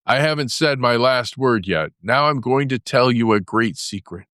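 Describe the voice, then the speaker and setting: A man's voice: mid-range voice, animated, moderate pace, a bit bright, no room sound, studio quality, voice pushed up, natural voice. A man voicing a stern, wise old male badger in a storybook reading. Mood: reassuring. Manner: severe, commanding.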